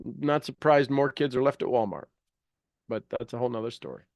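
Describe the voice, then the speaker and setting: A man's voice: mid-range voice, brisk, vocal fry, darkish tone, no echo, studio quality. A man leading a coaching class in an informal, blunt and prodding way, with folksy turns of phrase. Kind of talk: informal coaching talk mixed with reading aloud from a book.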